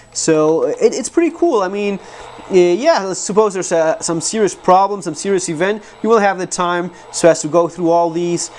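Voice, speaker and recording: Higher-pitched man giving a casual, halting demo. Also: darkish tone, a little hiss or hum. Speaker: survivalism video host. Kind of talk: casual product demonstration talk.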